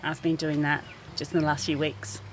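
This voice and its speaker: Low-voiced New woman, earnest. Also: little pitch movement, moderate pace, slight background noise, poor audio. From New Zealand. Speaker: school garden teacher. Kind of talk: radio interview, outdoor. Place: school garden outdoors.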